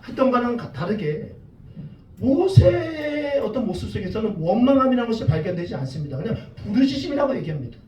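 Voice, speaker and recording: A man's voice: extremely high pitch, a little mellow. A male associate pastor preaching a sermon, firing rhetorical questions and acting out prayers with passion. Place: church sanctuary in Toronto. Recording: echoey church room, far from the mic, faint hiss.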